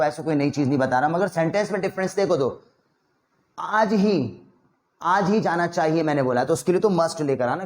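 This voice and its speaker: A man with an Indian accent teaching a spoken English lesson, mixing Hindi with English and coaxing learners through rapid drills. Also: fairly high pitch. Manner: energetic, coaxing drill instructor.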